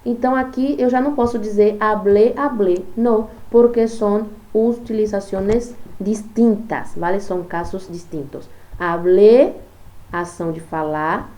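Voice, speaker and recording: A woman, a native Portuguese speaker, teaching a Spanish lesson, explaining patiently and reading example sentences aloud slowly. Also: mid-range voice, steady tone, mellow. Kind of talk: recorded online lesson.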